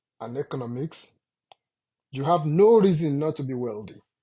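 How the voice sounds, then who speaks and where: In a Nigerian accent, the speaker uses a dark, mellow tone at a moderate pace. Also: man. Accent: Nigerian (Yoruba) English. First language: Yoruba. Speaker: self-development speaker. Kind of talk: motivational talk, code-switching Yoruba and English. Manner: halting, repeats words.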